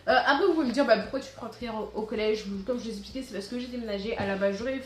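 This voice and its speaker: A teenage girl runs through school-supply tips in quick, rambling chatter, often restarting her sentences. Her voice sits a little high. The room around her echoes. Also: slight background noise. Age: teens. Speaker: vlogger. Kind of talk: casual back-to-school tips vlog.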